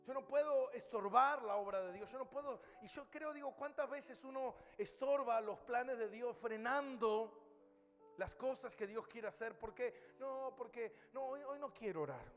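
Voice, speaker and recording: High-voiced emphatic preaching pastor man. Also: unhurried, a bit bright, long reverb tail, soft background music. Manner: emphatic preaching, addresses listeners as brother. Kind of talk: sermon. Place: church hall.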